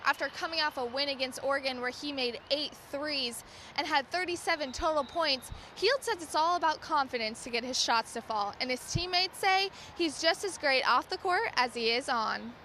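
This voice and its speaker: Young female reporter, high bright voice, crisp scripted read, faint hiss. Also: moderate pace. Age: young adult. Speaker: field reporter. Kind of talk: news report.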